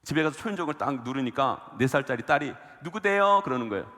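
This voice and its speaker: A man's voice: medium pitch, fast talker, pushed and bright. A male guest pastor preaching a sermon, telling a personal story and asking the congregation rhetorical questions. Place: church sanctuary. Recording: long church hall reverb.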